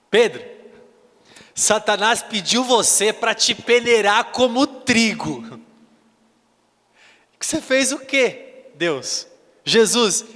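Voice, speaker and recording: A man's voice: high voice, big-room sound. A man preaching a sermon as a bishop, telling stories animatedly and acting out the dialogue himself. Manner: animated storytelling, acts out dialogue.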